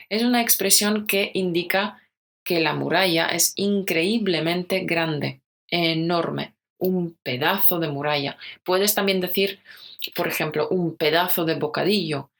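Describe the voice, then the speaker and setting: A woman with a Spanish accent from Spain, hosting a language-learning podcast and explaining things clearly and slowly. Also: lowish voice, a bit bright. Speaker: Spanish teacher and podcast host.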